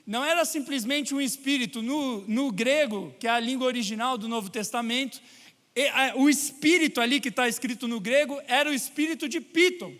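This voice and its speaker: A man with a Brazilian Portuguese accent preaching a sermon in a church, lively and joking with his congregation. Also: very high-pitched, brisk, long reverb tail. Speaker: pastor. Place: large church hall.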